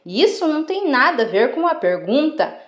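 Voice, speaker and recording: A woman's voice: high voice, very animated, moderate pace, echoey room, pitched above the performer's own voice. A woman as a wise lion king. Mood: authoritative.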